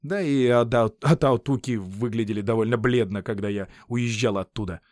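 A man reading an audiobook, voicing an eager Roman officer who explains at length in a lively, raised voice. The recording is dry. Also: medium pitch, moderate pace, no room sound, natural voice. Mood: explaining.

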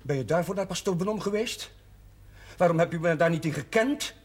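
An actor playing an earnest, overworked Catholic chaplain, defensive and questioning, in a 1970s Dutch television drama. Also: male voice, a little high, a little fast, husky. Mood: hurt, agitated. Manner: agitated, questioning. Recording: noisy 1970s television soundtrack, clicks.

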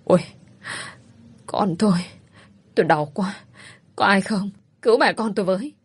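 A woman's voice: fairly low pitch, fast talker, lightly acted. A woman voicing a scheming pregnant young woman who wails and accuses. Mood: wailing. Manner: plaintive, wailing, accusing.

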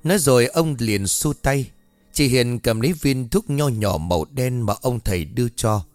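A man narrating a scripted story in a steady, dramatic way. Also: mid-range voice, normal speed, no echo. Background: faint music.

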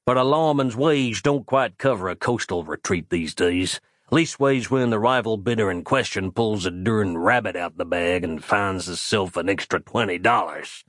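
A man's voice: fairly low pitch, a bit bright, dry recording, studio quality, voice pushed down, natural voice. A man putting on a drawling villainous sheriff. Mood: scornful. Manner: slow drawling folksy speech, scornful. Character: menacing folksy frontier sheriff, middle-aged man. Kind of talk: audio drama character voice.

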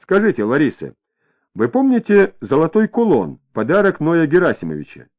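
A man reading a calm probing detective. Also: a little high. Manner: measured, politely probing. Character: calm, probing young male investigator. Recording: tinny lo-fi audiobook audio.

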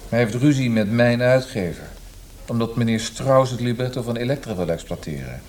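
An actor playing a proud, fretful poet in a radio drama, speaking in an earnest, precise, grumbling way. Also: male voice, mid-range voice, lively intonation, moderate pace, darkish tone, close to an everyday voice. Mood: indignant. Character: proud, fretful, melancholy male poet and librettist.

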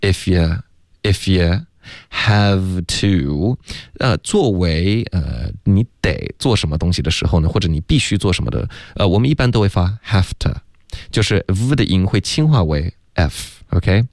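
Low-voiced male English teacher. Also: lively intonation, creaky, a little mellow, no echo, studio quality. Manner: explains pronunciation slowly, laughs often. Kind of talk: radio English lesson.

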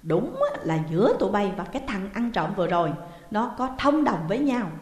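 Một người phụ nữ đóng vai bà chủ giàu có tham lam, xảo quyệt, hay gào thét chửi bới. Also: female voice, mid-range voice, very animated, a little fast, darkish tone, lightly acted. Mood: shrill ranting. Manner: shrieking, berating, wailing. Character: greedy shrill middle-aged rich woman, cunning. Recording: roomy reverberant hall sound.

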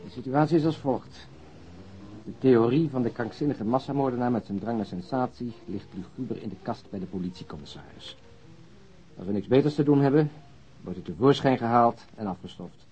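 An actor playing a dry, reasoning senior homicide detective in a radio crime drama, deliberate and expository, with a husky voice. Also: male voice, mid-range voice, mellow, soft background music, natural voice. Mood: dry, analytical. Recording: muffled, dull radio drama recording.

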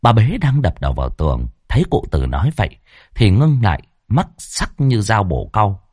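A man with a low voice narrates a ghost story, his pitch rising and falling dramatically. The recording is dry and close, with no room sound. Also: very animated, moderate pace, a little mellow, slightly rough, no room sound.

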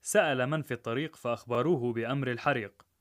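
A man narrating a rhymed story in a measured, rhythmic way. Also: medium pitch.

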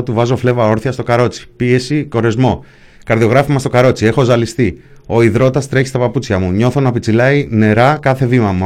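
A man's voice: medium pitch, a little mellow. A man giving a first-person narration of a hospital shift, speaking in short, clipped present-tense fragments.

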